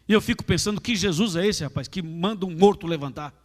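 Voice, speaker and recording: Male pastor, Brazilian Portuguese accent, high voice, emphatic sermon, long church reverb. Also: quick pace. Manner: emphatic, repetitive preaching, addresses listeners directly. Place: large church with a gallery. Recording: echoey church hall.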